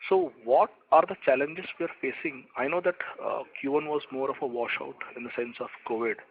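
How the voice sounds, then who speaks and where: A man's voice: mid-range voice, lively intonation, a little fast, vocal fry. A man calls into a conference call, his voice squeezed thin through a tinny phone line that keeps breaking up. He asks long, winding questions and adds a polite "sir" again and again. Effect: muffled conference-call phone line. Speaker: analyst asking questions on an earnings call. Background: background disturbance on the line.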